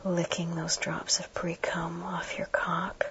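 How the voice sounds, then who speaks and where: A woman performs a whispered role-play, intimate and hushed, as if right in the listener's ear, instructing the listener directly. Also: fairly low pitch, completely flat delivery, slow. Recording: dull muffled audio with clear background noise.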